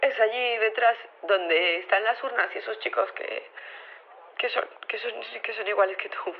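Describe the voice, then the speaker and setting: Una actriz interpreta en una ficción sonora a una trabajadora electoral apurada y servicial, que habla de forma titubeante. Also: female voice, mid-range voice, lightly acted. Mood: awkward, hesitant. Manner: hesitant, halting, trailing off. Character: flustered female polling-station worker, helpful and hesitant. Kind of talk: audio fiction acting. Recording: lo-fi radio sound with noisy ambience.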